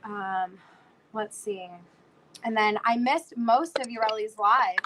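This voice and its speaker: A woman's voice: medium pitch, slow pace, noisy background. A woman in her twenties hosting a casual livestream chat, rambling with lots of fillers, her voice worn out and nearly gone. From South Florida. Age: 20s. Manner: chatty, rambling with many fillers. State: lost her voice. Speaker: livestream host.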